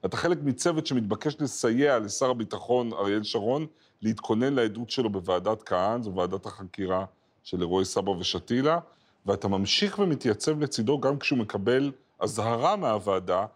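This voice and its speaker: A man's voice: lowish voice, animated. A man hosting an interview, laying out the background before he asks his question. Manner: lays out background before asking. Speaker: interviewer, host.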